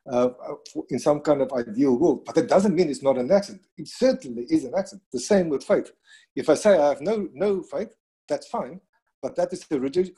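A middle-aged man with a non-native English accent, speaking thoughtfully in a conversation, with frequent restarts and pauses. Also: mid-range voice, mellow, husky. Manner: thoughtful, halting, with many restarts. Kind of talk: conversational discussion.

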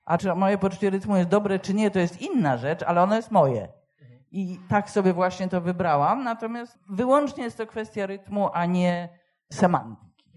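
Brisk, decisive female translator. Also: medium pitch, a little mellow. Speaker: literary translator. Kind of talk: discussion panel talk.

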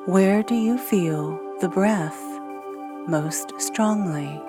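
A woman guiding a scripted meditation in a gentle, soothing, soft-spoken way, leaving long pauses between short phrases. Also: on the low side. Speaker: meditation guide. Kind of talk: scripted guided meditation narration. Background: new-age music.

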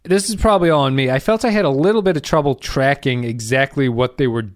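Male co-host, casual chat, halting delivery full of restarts, laughs a lot, dry close sound. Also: mid-range voice, dry recording. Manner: hesitant, many restarts, laughs often. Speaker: podcast co-host.

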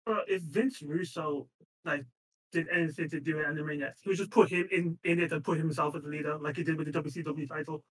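A man in his early twenties whose voice sits a bit high. He chats casually with friends, laughing often and pushing in to make his point. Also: steady tone, fast, poor audio. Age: 20s. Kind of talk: casual group chat.

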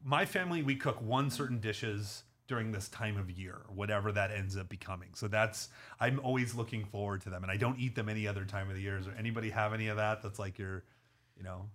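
A man's voice: lowish voice, fast talker, fairly bright tone. A man guesting on a studio podcast, explaining food and wine in a loose, chatty way with many restarts. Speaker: winery executive guest. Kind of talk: casual podcast chat.

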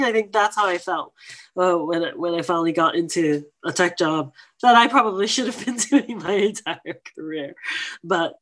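Interview guest: woman, 40s, from New York, animated storyteller who mimics voices. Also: mid-range voice. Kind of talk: conversational interview.

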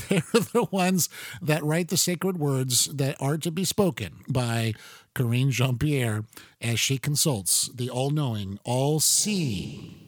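A man's voice: fairly high pitch, no room sound. A man hosting a political talk show, chatting in a sarcastic, conversational way with many fillers and restarts. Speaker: talk radio host.

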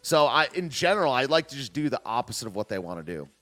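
A man hosts a casual livestream, joking and rambling through his commentary. His pitch swings widely as he talks, and his voice sits at a middling height. Faint music plays underneath him. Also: very animated, fast talker, bright, forceful tone. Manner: joking, rambling, trails off and restarts. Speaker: livestream host. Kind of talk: casual commentary, reading chat.

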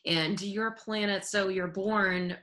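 A woman's voice: medium pitch, steady tone, takes it slowly, a bit bright. A woman interviewing a guest, asking casual questions filled with "like" and "um". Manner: casual with many likes and ums.

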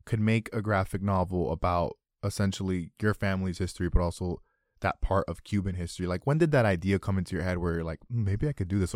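A man's voice: low voice, a little mellow, dry recording, clean studio sound. A man from Miami with an American accent, hosting a conversational interview podcast. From Miami, Florida.

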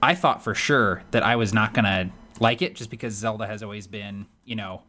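A man with a high voice, co-hosting a podcast in casual chat, talkative and laughing often with lots of fillers. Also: brisk, bright, forceful tone. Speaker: podcast co-host.

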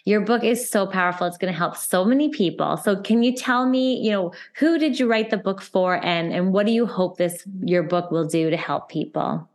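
A woman's voice: mid-range voice, normal speed, few pauses. A woman hosting an interview, effusive and full of praise for her guest. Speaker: interview host. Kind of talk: interview chat.

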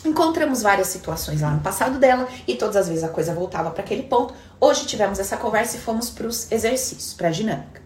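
A woman's voice: mid-range voice, fast, hardly any pauses, roomy sound. A woman coach with a stuffy nose and sore throat, giving a live-stream talk and acting out quoted voices. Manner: expressive, acts out quoted voices. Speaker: hypnotherapist and coach.

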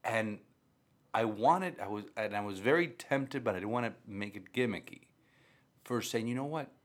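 A Catholic priest who grew up speaking Spanish talks conversationally about faith at a normal speed. His voice is fairly low with lively intonation, and he repeats phrases for emphasis.

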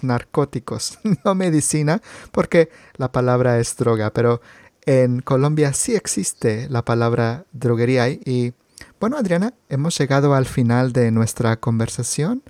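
A man's voice: medium pitch, animated, unhurried, darkish tone, no echo. A Mexican man hosting a Spanish lesson, explaining words for learners and laughing easily. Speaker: podcast host and Spanish teacher. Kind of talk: slow teaching conversation for learners.

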